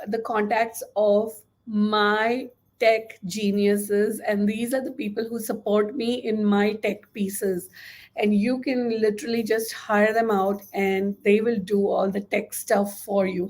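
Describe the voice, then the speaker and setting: Upbeat Indian woman pitching a course. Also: fairly even intonation, takes it slowly, darkish tone. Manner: enthusiastic and encouraging, gesturing with both hands. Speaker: course host. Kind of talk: webinar sales pitch. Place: small room indoors. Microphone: webcam at desk.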